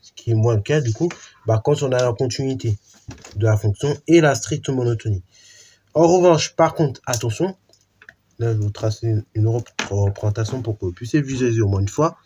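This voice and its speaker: A man's voice: medium pitch, brisk, warm tone, slight background noise. A man teaching a math lesson in an informal way, with many fillers and restarts while he explains a theorem.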